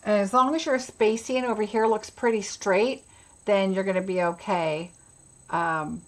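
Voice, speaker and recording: A woman's voice: mid-range voice, fairly even intonation, a little slow. A woman giving a casual live craft tutorial as host, chattily talking herself through each step.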